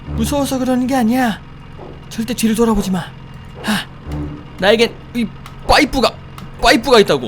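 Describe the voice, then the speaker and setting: A male gaming commentator with a high, very lively voice that swings up and down as he jokes his way through a scary game. He startles easily and ribs the characters. A faint background hiss sits under the recording. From South Korea. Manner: jokey, animated, easily startled. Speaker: gaming streamer. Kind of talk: let's play commentary.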